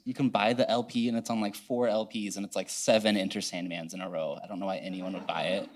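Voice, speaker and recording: A man's voice: lowish voice, fairly even intonation, quick pace. Easygoing guy co-hosting a live podcast, jokey. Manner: casual, jokey. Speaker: podcast co-host. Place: live event space with audience.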